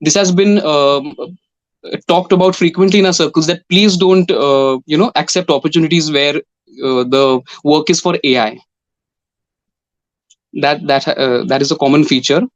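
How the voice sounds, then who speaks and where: A young man with an Indian English accent, a voice and dubbing artist answering interview questions in a thoughtful, measured way with frequent pauses. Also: on the high side, highs cut off.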